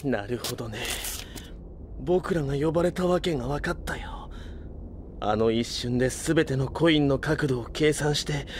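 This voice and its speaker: A man's voice: mid-range voice, moderate pace, noisy background, natural voice. A man playing a smug, sadistic young villain swordsman in an anime-style audio drama, with a sneering, theatrical, haughty delivery. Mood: intrigued.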